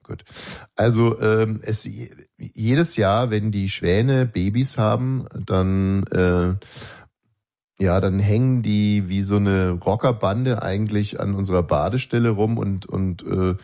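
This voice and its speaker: A man with a somewhat low voice co-hosts a podcast in loose, casual banter. He rambles ironically and pads his talk with plenty of filler sounds. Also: slow, mellow. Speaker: podcast and radio co-host.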